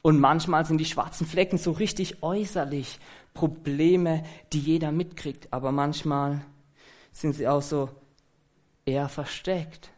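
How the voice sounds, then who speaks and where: A man's voice: fairly high pitch, fairly even intonation, a little slow, a little mellow. A man preaching an earnest, conversational sermon that he fills with rhetorical questions.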